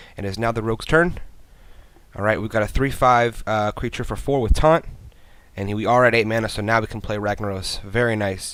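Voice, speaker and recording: A man with a medium pitch talks at a fairly quick pace in an enthusiastic tone. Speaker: game commentator. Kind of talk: game shoutcast commentary, play-by-play. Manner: casual, enthusiastic.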